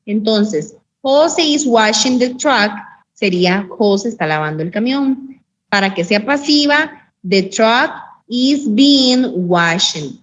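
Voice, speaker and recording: A woman teaching an English grammar lesson in an online class, patiently repeating examples and saying English phrases slowly and carefully. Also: mid-range voice, a bit bright. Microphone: computer mic on a video call. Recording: dull lo-fi call audio, faint noise.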